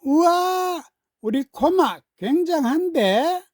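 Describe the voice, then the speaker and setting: Woman as storybook young daughter: high voice, bright-eyed curiosity, eager, teasing, very dry close recording. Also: expressive, very slow, no echo, exaggerated voice. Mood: amazed. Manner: playful, eager, exclaiming. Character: bright, curious young girl teasing and cheering on her mom.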